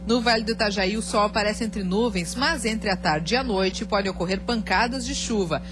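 Woman news anchor, mid pitch, even scripted read, studio lapel mic, music bed behind. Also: moderate pace. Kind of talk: news presenting.

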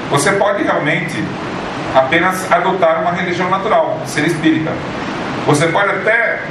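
Middle-aged Brazilian-born male speaker, earnest public talk, somewhat high voice, heard from far off with loud hiss. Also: normal speed. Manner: earnest, asks the audience questions, gestures while talking. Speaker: spiritist lecturer. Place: small lecture hall indoors. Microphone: handheld mic, far camera. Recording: echoey hall from far off, loud background noise.

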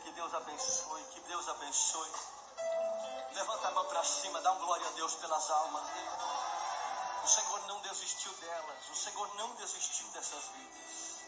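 A man preaching a fervent sermon, swelling into shouts. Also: a little high, moderate pace. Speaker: pastor. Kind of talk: impassioned sermon. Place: church. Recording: echoey hall with music.

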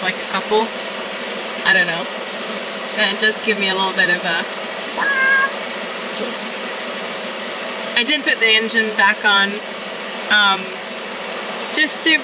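A woman in her forties, a solo sailor, chatting casually to the camera in her boat's cockpit at sea, musing with lots of "like" fillers. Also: mid-range voice. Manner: relaxed, musing, many "like" fillers. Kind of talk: casual vlog talk to camera. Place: open sailboat cockpit at sea, outdoors. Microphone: handheld camera close up. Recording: distant camera mic, loud wind and engine noise.

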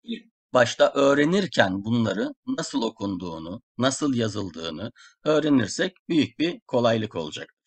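A man's voice: mid-range voice, sing-song, unhurried. A man with a Turkish accent teaching a beginner language lesson, patiently repeating each syllable and word so learners can follow. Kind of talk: slow lesson drilling syllables.

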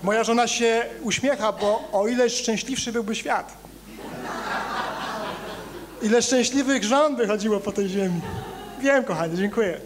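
A male pastor preaching a sermon in a church, animated and conversational, swinging between loud emphatic rises and quiet low asides while joking with the congregation. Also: unhurried, long pauses, a crowd in the background. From Poland. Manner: conversational, addresses congregation directly with humor.

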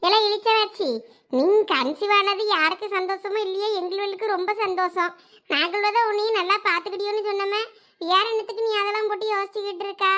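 A woman's voice: extremely high pitch, fairly even intonation, fast, bright, forceful tone. A woman playing a bossy but caring village elder sister, teasing and scolding in a Thoothukudi Tamil accent. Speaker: actor in a village comedy skit. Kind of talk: village comedy skit acting.

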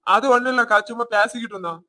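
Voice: medium pitch, very fast, pushed and bright, close to an everyday voice. A performer doing a surly village husband, Tirunelveli accent. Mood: grumbling. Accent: Tirunelveli Tamil. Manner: grumbling, dismissive. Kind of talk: cartoon voice acting.

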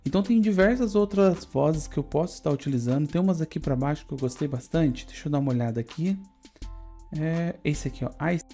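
A Brazilian-accented man presents a casual software walkthrough in a mellow, dark-toned voice. He is on a USB microphone, with music underneath. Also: fairly high pitch, brisk. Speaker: tutorial presenter. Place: studio indoors.

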